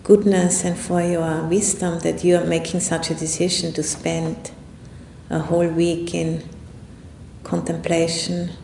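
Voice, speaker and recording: Woman, meditation teacher, lowish pitch, flat intonation, unhurried and reflective, roomy echo, faint background noise. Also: creaky. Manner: unhurried and reflective, with long pauses. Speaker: Buddhist nun and meditation teacher. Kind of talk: guided meditation talk. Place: indoor room at a retreat center.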